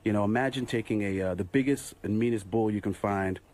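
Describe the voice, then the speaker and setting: A man's voice: on the low side, a little fast, a little mellow. A man giving good-humored, articulate answers in a casual interview. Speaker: personal assistant, guest.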